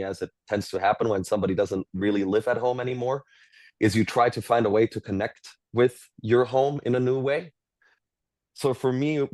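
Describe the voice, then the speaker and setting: A man's voice: on the low side, mellow, no room sound. A man from Switzerland speaking as a panelist at a game convention, chatty and anecdotal.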